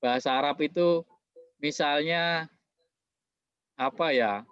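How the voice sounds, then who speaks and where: Dull-sounding, high-voiced male host. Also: takes it slowly, clean tone, dry recording. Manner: warm, agreeable, frequent affirmations. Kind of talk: casual interview.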